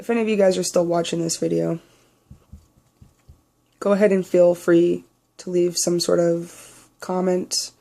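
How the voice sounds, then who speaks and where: A young trans man with a naturally high voice he tries to pitch lower, speaking candidly and bluntly in a personal video diary, swearing freely. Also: level tone, unhurried, vocal fry, long pauses, dark tone. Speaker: vlogger.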